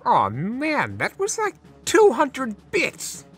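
A woman's voice: high-pitched, wildly swooping pitch, takes it slowly, faint music behind, exaggerated voice. A woman voicing a mischievous, impatient male chimera spirit in a fan radio play, with a dramatic, wildly swinging delivery. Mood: grumbling.

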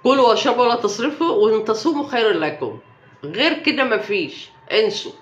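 A young Egyptian woman with an Egyptian Arabic accent talks about health on a casual live stream, emphatic and defiant, stacking up rhetorical questions. Her fairly high voice moves fast with lively intonation, and the audio is reverberant and dull.

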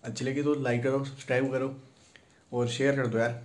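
A travel vlogger in his twenties chats casually to a phone held at arm's length, moving through plain rooms, a rooftop, streets, and shops. His mid-range voice stays level and fairly quick.

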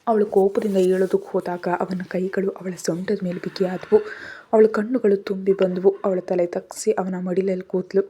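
A woman narrating a scripted romance story in a steady, even storytelling manner. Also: mid-range voice, normal speed, slightly rough. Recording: dull lo-fi audio.

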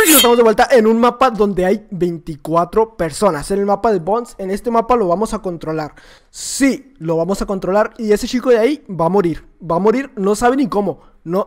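High-voiced, excitable Mexican gamer guy. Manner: excitable, shouting and joking at opponents; rapid repeated exclamations. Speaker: YouTuber playing a block-building game. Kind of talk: live gameplay commentary.

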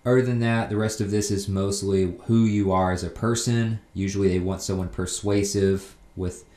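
A man's voice: on the low side, fairly even intonation, normal speed, dark tone, reverberant. A man hosting a job tips video, reading out listings and explaining them plainly in a casual narrating style.

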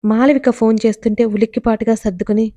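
Woman reading a love story aloud, steady, mellow, dry close sound. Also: a little high, fast talker, no room sound. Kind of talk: scripted story narration.

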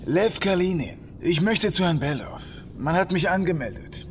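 A man's voice: sits high, lively intonation, moderate pace, slight background noise. A young man acting in an audio drama as a dogged police inspector on a spaceship. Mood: inquisitive.

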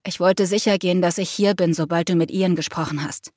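A woman reading an audiobook voices a quiet, weary young man who speaks in soft murmurs. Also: lowish voice, steady tone, brisk, dry recording, clean studio sound, lightly acted. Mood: quiet, resigned. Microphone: close studio mic.

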